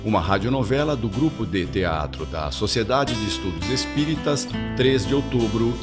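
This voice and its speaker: A man's voice: on the low side, animated, normal speed. A Brazilian man announcing for a radio drama, reading scripted credits in a formal, emphatic way. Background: guitar music.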